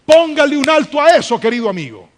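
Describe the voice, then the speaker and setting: Man, preacher; high pitched and pushing his voice up for repeated emphatic lines, long church-hall reverb. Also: very animated, fast talker. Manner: rising into emphatic, near-shouted refrains; asks the congregation to respond and raise hands. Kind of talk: sermon.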